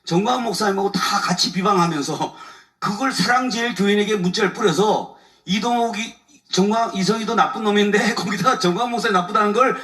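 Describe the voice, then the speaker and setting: Standing before a congregation at an evening church service, a male lawyer tells the story of his grievances in a casual, animated testimony full of chuckles. His voice is high-pitched with a fairly bright tone, and he is far from the microphone.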